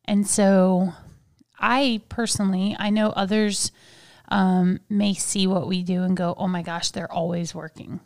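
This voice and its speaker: A woman co-hosting a casual podcast, speaking in a quiet, relaxed way. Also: mid-range voice, measured pace. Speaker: podcast co-host. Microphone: studio podcast mic.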